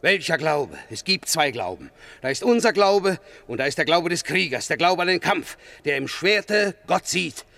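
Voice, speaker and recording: An actor playing a fiery, tormented Christian warrior in a German radio play, declaiming with fervour and pride. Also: male voice, on the high side, animated, moderate pace, bright, forceful tone, no room sound. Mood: tormented, proud. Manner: fervent, declamatory, proud.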